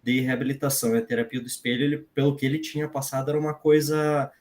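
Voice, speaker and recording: A man's voice: mid-range voice, little pitch movement, fast talker, darkish tone. A man with a Brazilian Portuguese accent giving a hesitant comment in a study group, with frequent fillers and tag questions. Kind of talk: discussion comment.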